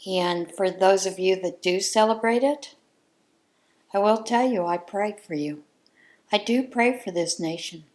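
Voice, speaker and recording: A woman's voice: mid-range voice, unhurried, darkish tone. A woman hosting a crafting channel, sharing her views in a casual chat from home in an earnest, heartfelt way.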